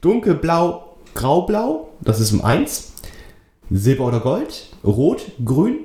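Brief: hesitant, filler-heavy co-host, low mellow voice, echoey room sound. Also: male voice, wildly swooping pitch, slow pace. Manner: hesitant, many fillers and restarts, reads quiz questions aloud. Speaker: podcast co-host. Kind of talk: casual podcast chat.

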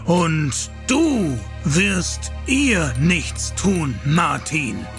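An actor playing a calm, protective medieval priest in a radio play, speaking in a measured, gently admonishing way. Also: male voice, on the high side, gravelly, soft background music, full character voice. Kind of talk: German radio play dialogue.

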